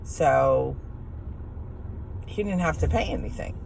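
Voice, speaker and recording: A middle-aged woman with a hoarse voice, chatting frankly and rambling while she drives, easily irritated by other drivers. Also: sits low, slow, a little mellow, rough recording. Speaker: vlogger. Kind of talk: casual chat while driving. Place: in a car while driving. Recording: car road noise behind.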